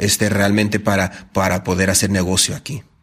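There is a man talking. Behind him, noticeable noise is present. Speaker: podcaster and parent facilitator. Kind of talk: interview. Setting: empty classroom. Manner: halting, many fillers.

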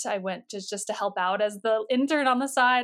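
With a General American accent and lively intonation, a woman with a plain, everyday voice speaks at a moderate pace in a very clean recording with a silent background. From Colorado. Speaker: media expert and former red carpet reporter. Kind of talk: interview.

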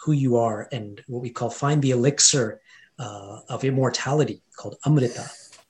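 In a quiet background, a man with a Canadian accent speaks at a moderate pace in a medium pitch, sounding somewhat breathy. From Edmonton, Alberta, Canada (Indian household). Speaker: yoga teacher, wellness entrepreneur. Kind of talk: interview. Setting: live stream.

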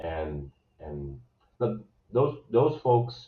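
A man with a Chicago accent and very wide pitch swings. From US Midwest, Chicago. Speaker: real estate agent and army veteran. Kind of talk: casual interview. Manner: halting, many fillers and repetitions.

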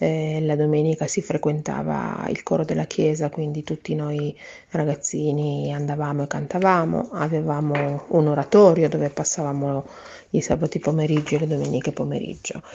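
Her voice very deep and low, a woman speaks at a moderate pace in a monotone, flat intonation. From Turin, Italy (early childhood in Liguria). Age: 50s. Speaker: sales representative, neighbourhood resident. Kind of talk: personal testimony.

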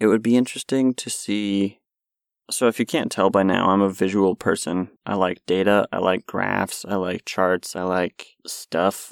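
A man speaks in a calm tone at a fairly low pitch with fairly even intonation, in a very clean recording with a silent background and a dry, close sound with no echo. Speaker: solo podcaster. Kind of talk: personal vocal diary monologue. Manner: rambling, loose casual delivery; calm, sleepy tone.

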